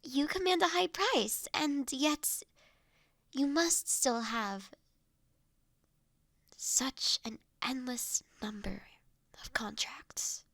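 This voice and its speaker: A woman playing a polite, gentle human lady in an intimate audio roleplay, speaking formally and courteously with soft hesitations. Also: high voice, gravelly, dry recording, studio quality, exaggerated voice. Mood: admiring, soft. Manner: courteous, formal wording, softly hesitant with pauses.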